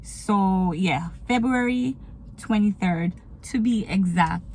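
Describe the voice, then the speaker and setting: Slow-talking Jamaican woman vlogger. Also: mid-range voice, a little mellow, a little hiss or hum. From Jamaica, raised in Kingston. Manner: chatty, laughs often, slips into patois. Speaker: vlogger and small business owner. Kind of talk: casual get-to-know-me chat. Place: inside a parked car.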